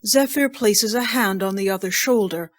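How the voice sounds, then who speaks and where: Medium-pitched woman narrator. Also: normal speed. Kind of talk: scripted audio drama narration.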